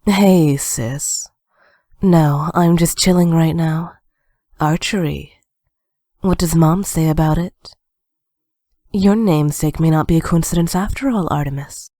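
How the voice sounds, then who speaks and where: A woman playing a cool, wry young ninja who is reluctantly friendly, in a low, mellow voice, in an amateur audio drama. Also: a little slow, long pauses, no room sound, clean studio sound. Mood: casual, fond.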